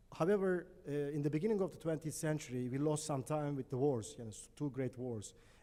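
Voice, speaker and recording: With big swings in loudness, a man speaks at a very fast pace in a fairly high voice with a dark, mellow tone. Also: ordinary pitch variation. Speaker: telecom executive, panelist. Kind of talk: panel discussion. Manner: hesitant, many fillers.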